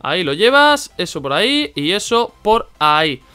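Animated, bright-voiced young gamer. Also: male voice, high voice, normal speed, clean tone. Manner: animated, frustrated outbursts, talks to viewers. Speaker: gaming YouTuber. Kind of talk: excited game commentary.

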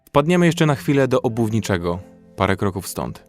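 Man as practical male survivor, brisk manner, horror audio drama dialogue, middle pitch, light music. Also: very animated, natural voice. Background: faint music.

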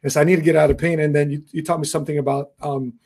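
A man in his forties hosting a business talk show, talking in an energetic, friendly way. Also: on the high side, rapid-fire, creaky, husky. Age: 40s. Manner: energetic, friendly, hyped sign-offs. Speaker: show host. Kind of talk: casual hosting chat.

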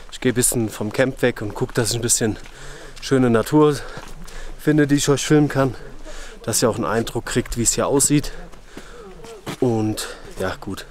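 A young man from Germany talks casually to his camera while trekking, relaxed and chatty, with plenty of fillers. His voice sits at an ordinary middle pitch. It is picked up outdoors at a mountain camp by the camera's own mic. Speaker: hiking vlogger. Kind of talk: casual vlog talk to camera.

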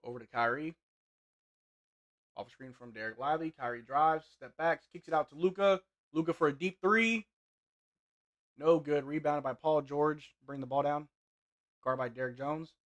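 Young guy streaming a watch-along, kinda hoarse, highish bright voice, small room desk mic. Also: moderate pace, long pauses. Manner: play-by-play calls mixed with relaxed banter. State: voice getting hoarse. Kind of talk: live game commentary and chat reading. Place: small indoor room with gaming chair.

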